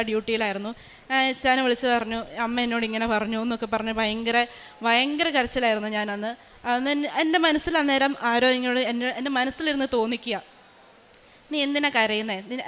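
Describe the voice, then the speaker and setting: A woman, a maternity nurse, giving an earnest personal testimony in a quick flow of speech with many hesitation sounds, recorded in a large church hall. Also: on the high side, fairly bright tone.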